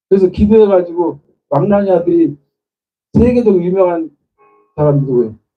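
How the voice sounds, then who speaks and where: Quick-paced, a man talks fairly fast. His pitch is high, with ordinary variation. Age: 60s. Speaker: church leader. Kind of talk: sermon-style talk to congregation.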